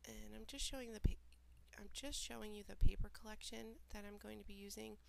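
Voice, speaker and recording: Congested, gravelly-voiced woman. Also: mid-range voice, fairly quick, slight background noise. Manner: relaxed, plain step-by-step explaining with small asides. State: congested and nasal from a cold. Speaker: mixed media artist. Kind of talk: craft tutorial voiceover. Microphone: home voiceover recording.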